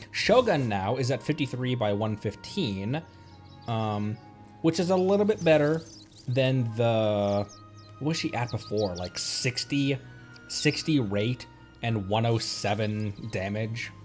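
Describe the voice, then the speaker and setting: Male game streamer, mid-pitched, casual rambling commentary, thinks out loud, background music. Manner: thinking aloud, often questioning himself. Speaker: game livestreamer. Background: video game music.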